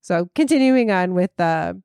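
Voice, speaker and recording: A woman co-hosting a casual podcast, chatty and quick to laugh, reading passages aloud. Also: lowish voice, expressive, a little mellow, smooth, no room sound, clean studio sound. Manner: chatty, laughs easily, reads quotes aloud. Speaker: podcast co-host. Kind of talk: casual chat.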